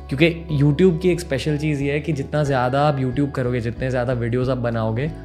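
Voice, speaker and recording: Here a young male podcast host from Mumbai reflects earnestly on a personal experience, dropping in English words as he goes. He speaks at a medium pitch in a mellow voice.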